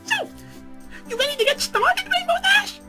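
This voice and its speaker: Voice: very high-pitched, animated, moderate pace, sharp tone, faint music behind, pitched above the performer's own voice, exaggerated voice. A narrator voicing a bubbly, hyperactive young pink pony mare in a storybook reading, squealing and gushing. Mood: cheery.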